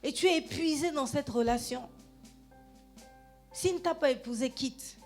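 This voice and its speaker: A Gabonese woman pastor with a high voice delivers a sermon in church at a measured pace. She speaks directly to the congregation in a lively, conversational way, tagging phrases with "hein" and calling for "amen". Soft music plays faintly beneath her.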